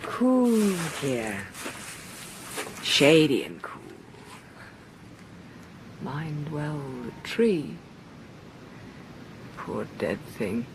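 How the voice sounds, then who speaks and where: A woman's voice: sits low, very animated, very slow, pauses often, noisy background, full character voice. Genteel, brittle lady, swooping intonation. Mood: dreamy, eerie. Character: lady of the house, genteel, lonely, brittle and insistent. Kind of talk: BBC radio horror play acting.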